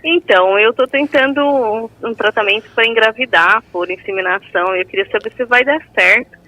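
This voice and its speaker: A woman's voice: on the high side, a little fast, bright, forceful tone, no echo. A woman from São Paulo state calling in over a phone line, effusive and affectionate as she talks with the hosts. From São Paulo state, Brazil. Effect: heard over a phone line. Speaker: caller. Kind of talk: call-in to a live show.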